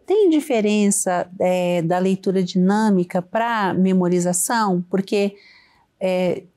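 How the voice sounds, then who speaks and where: A woman's voice: mid-range voice, slow, warm tone. Woman hosting, asking questions. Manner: asks long, searching questions with tag questions. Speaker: interview host. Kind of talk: conversational interview.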